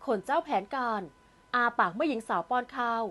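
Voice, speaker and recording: A woman narrating a romance audio novel in a steady storytelling manner. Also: fairly high pitch, brisk.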